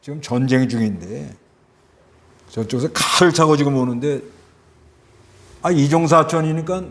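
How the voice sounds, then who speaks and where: Busan pastor preaching in a chatty way. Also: male voice, a little high, moderate pace. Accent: Busan Gyeongsang. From South Korea. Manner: conversational preaching with rhetorical questions and acted-out voices. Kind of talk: sermon.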